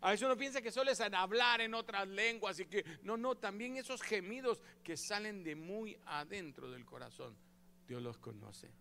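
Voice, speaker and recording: A man preaching a sermon as pastor, lively and acting out the prayers he describes. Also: sits high, normal speed, creaky. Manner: animated, acts out quoted prayers and voices.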